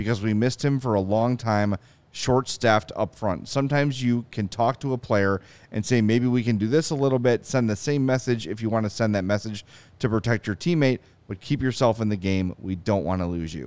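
Using a plain, everyday voice, a man talks at a fairly quick pace, with a medium pitch and ordinary pitch variation. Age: 40s. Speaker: sports podcast host. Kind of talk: casual chat.

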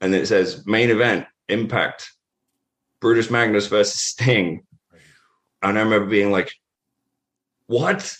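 In an English accent, a man speaks at a fairly slow pace and fairly low pitch, with ordinary pitch variation, big swings in loudness and long, frequent pauses. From England, Norfolk (East Anglia). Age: 30s. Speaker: pro wrestler. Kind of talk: interview.

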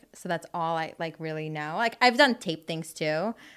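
A woman with a plain, everyday voice talks at a moderate pace, her pitch fairly low with ordinary pitch variation, in a very clean recording with a silent background. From New York City. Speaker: traffic reporter and TV producer. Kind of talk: casual chat. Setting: home studio.

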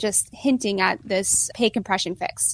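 A woman's unremarkable speaking voice, moderate in pace, with ordinary pitch variation. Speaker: news reporter. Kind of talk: interview.

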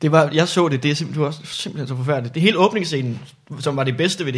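With ordinary pitch variation, the delivery comes across somewhat breathy. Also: man. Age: 20s. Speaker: stand-up comedian. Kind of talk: casual chat.

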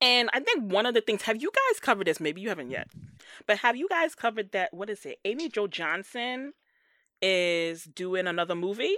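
In a New York accent, a woman speaks at a fairly quick pace in a fairly high, bright and sharp voice with lively intonation, the sound dry and close with no echo. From the Bronx, New York City. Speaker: podcast host. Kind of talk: casual chat.

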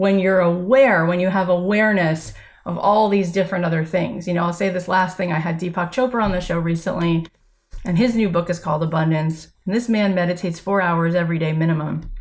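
A plain, everyday voice is captured in a very clean recording with a silent background. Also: woman. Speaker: podcast host and author. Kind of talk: conversational interview about ego and consciousness.

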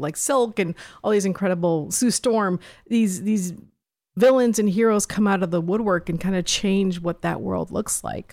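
On a very clean recording with a silent background, a woman with an American accent speaks in an unremarkable speaking voice at a medium pitch with ordinary pitch variation. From Chicago. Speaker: comic book writer. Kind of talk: interview. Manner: fast.

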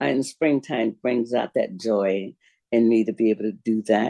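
A man with an American accent at a moderate pace, his tone dark and mellow, the sound dry and close with no echo, over a quiet background. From Florida. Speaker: radio host and reverend. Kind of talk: casual radio talk show.

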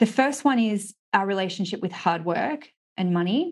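Against a quiet background, a woman speaks at a moderate pace with a medium pitch, lively intonation, and a somewhat breathy quality. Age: 40s. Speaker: money mentor and author. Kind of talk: interview conversation.

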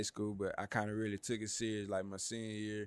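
In an American accent, the man speaks with a fairly low pitch. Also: very clean recording, silent background. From Texas, Waco. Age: 20s. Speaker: rapper. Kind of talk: interview.

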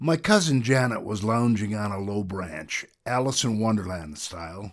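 With an American accent and an ordinary speaking voice, this speaker talks at a fairly slow pace with lively intonation. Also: man, very clean recording, silent background. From US Midwest. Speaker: author. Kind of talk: reading aloud.

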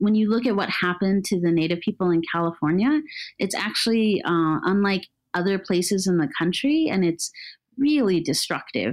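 A woman with a normal speaking voice and an American accent, at medium pitch and a moderate pace, with lively intonation and a quiet background. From US Great Plains (Rosebud Reservation, South Dakota). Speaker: writer and activist. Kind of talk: interview conversation.

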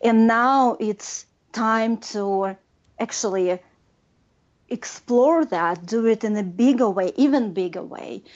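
The speaker is a woman with a Russian accent. Her pitch is fairly high and varies in an ordinary way. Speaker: business coach. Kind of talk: interview. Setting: phone call.

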